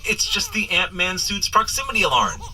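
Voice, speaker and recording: A man's voice: sits high, wildly swooping pitch, moderate pace, bright, forceful tone, full character voice. A man playing a bumbling, good-hearted superhero in a comedy audio drama, coaching the listener with nervous, apologetic, rambling chatter. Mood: nervous, encouraging. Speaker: actor playing a superhero guide.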